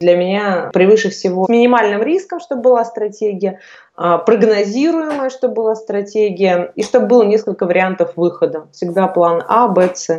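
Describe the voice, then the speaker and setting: A woman talks in an ordinary speaking voice at a medium pitch. Her pitch variation is ordinary and her pace moderate. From Moscow, Russia. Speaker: business coach and property investor. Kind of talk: podcast interview.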